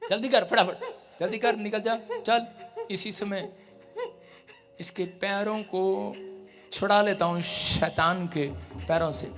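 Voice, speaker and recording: A man leading a live prayer service as pastor, commanding and repeating his orders in rising shouts. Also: sits high, steady tone, slow pace, long pauses, over music.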